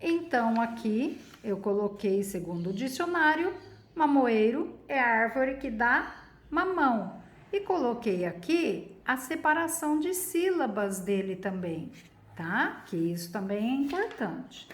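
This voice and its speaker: Brazilian lady teacher, kinda high voice, slow and patient, echoey room. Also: sing-song. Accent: Brazilian Portuguese. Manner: patient, asks pupils many questions, stretches key words. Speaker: primary school teacher. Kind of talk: recorded lesson for children.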